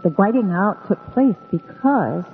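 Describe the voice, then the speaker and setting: This woman from Hawaii, whose first language is Hawaiian, has a medium-pitched voice with lively intonation. She's a guest storyteller in a relaxed radio interview, taking her time and meandering with many ums, heard over tinny, phone-like radio with long reverb and faint music.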